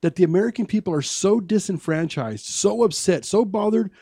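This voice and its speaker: A man with a fairly high voice co-hosting a talk radio show, laying out his points patiently and pushing back when he disagrees. His voice sounds close and dry in the studio. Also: expressive, warm tone, husky, no room sound. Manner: explaining, argumentative, measured. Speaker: co-host. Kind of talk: casual radio political talk.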